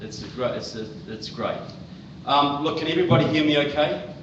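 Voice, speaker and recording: A man's voice: a little high, brisk. A man from New Zealand with a New Zealand accent, giving a plain-spoken political speech to a live audience in a church hall. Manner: plain-spoken, direct, addresses the crowd with "look" and "folks". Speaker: guest speaker. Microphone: far-off tablet recording. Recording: roomy, distant, muffled tablet recording with noise.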